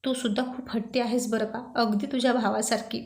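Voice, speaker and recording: Flustered young man in a storybook, read by a woman, stammering, self-doubting, high light voice. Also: fairly even intonation, a little fast, a little mellow, echoey room, lightly acted.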